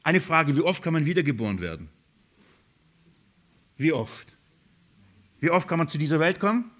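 A male preacher delivers a sermon in a slightly raised voice. He repeats his key words, throws rhetorical questions at the congregation and swings between loud emphasis and hushed, lowered lines. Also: big pitch swings, moderate pace.

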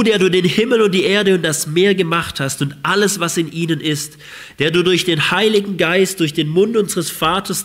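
A man's voice: fairly high pitch, a bit bright. A man preaching a sermon with a cold, reading scripture with rising emphasis and asking rhetorical questions. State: has a cold.

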